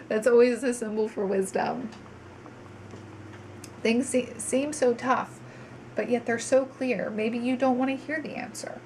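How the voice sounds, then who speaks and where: A woman's voice: fairly high pitch, darkish tone, low-quality recording. Brief: woman tarot reader, congested and nasal, chatty with ums, faint noise behind. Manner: chatty, with frequent ums and restarts. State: stuffy, congested. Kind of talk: monthly tarot reading to viewers.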